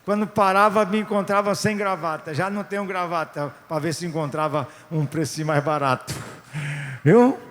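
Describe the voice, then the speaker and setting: A man's voice: high-pitched, steady tone, moderate pace, a bit bright. A male pastor, telling a missionary testimony in a sermon with restarts and rising exclamations. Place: large church hall. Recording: long church-hall reverb.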